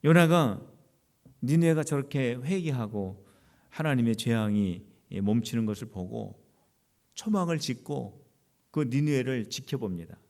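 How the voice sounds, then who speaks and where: A man's voice: medium pitch, expressive, a little slow, a little mellow. A man pastor delivering a Friday sermon, retelling a story with fillers and building to emphatic peaks.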